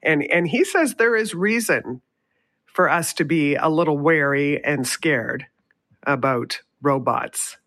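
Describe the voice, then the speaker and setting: A woman's voice: low voice, slow pace, a bit bright. Nasal, chatty woman hosting talk radio. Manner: chatty, upbeat, with fillers. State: nasal from a summer cold. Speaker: guest radio host. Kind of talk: casual talk radio chat.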